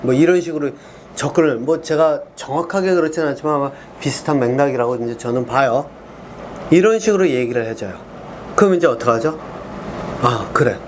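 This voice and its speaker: A man's voice: medium pitch, brisk, a little hiss or hum. A man giving an explanatory lecture on Buddhist ideas, posing rhetorical questions and answering them himself. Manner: acts out quoted people in everyday speech.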